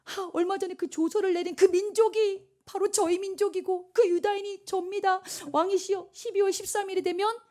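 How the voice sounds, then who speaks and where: A woman's voice: extremely high pitch, steady tone, brisk, hardly any pauses, mellow, voice pushed up. A woman pastor voicing a young queen pleading formally for her life in a retold Bible story.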